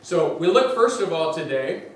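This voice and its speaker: Man, guest preacher, big voice, lively and conversational, slightly raised pitch, distant and very echoey sanctuary sound. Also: moderate pace, a little hiss or hum. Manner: energetic, conversational preaching with asides. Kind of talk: sermon. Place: large church sanctuary.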